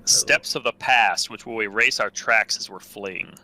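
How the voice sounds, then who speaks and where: A man's voice: lowish voice, measured pace, sharp tone, low-quality recording. A man chatting casually as a player at a tabletop role-playing game.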